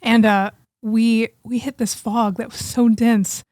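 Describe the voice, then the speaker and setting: Woman, higher-pitched, expressive podcast co-host, casual chat, dry close sound. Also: slow, no room sound. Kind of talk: casual chat, personal storytelling.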